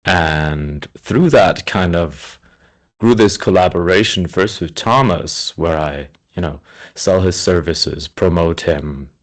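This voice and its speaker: A man raised in Switzerland, a guest in an interview, telling his story in a relaxed and friendly way. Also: low-pitched, takes it slowly. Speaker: interview guest, speaker agent. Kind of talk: conversational interview.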